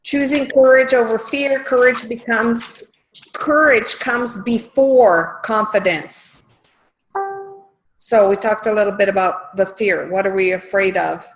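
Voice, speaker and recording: Upbeat woman coach, higher voice. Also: unhurried, slight background noise, low-quality recording. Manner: encouraging, with frequent fillers and restarts. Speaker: coach leading a group call. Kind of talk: group coaching call.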